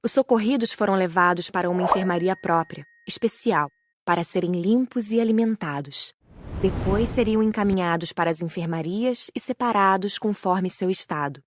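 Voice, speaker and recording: A woman's voice: medium pitch, normal speed, slight background noise. A woman with a Brazilian accent reading a scripted first-person audiobook narration.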